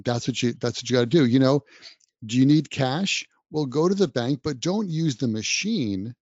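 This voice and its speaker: A man's voice: mid-range voice, a little mellow, no room sound. A man who teaches English, giving encouraging podcast advice straight to the listener. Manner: encouraging, speaks directly to the listener. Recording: dull, dry, slightly lo-fi sound.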